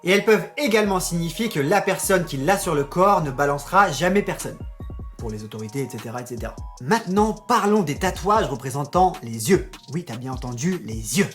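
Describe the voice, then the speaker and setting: A man's voice: on the high side, expressive, fairly quick, a bit bright, faint music behind. A man hosting a tattoo vlog, explaining in a chatty, joking way and talking straight to his viewers. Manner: chatty, addresses viewers directly, joking asides. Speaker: tattoo YouTuber.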